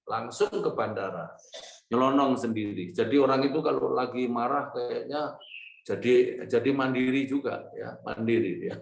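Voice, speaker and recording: An older man preaching a sermon as pastor, telling stories in a lively way, quoting dialogue and chuckling often. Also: mid-range voice, vocal fry. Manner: animated storytelling with quoted dialogue and chuckles. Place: church or online service hall. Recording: echoey room.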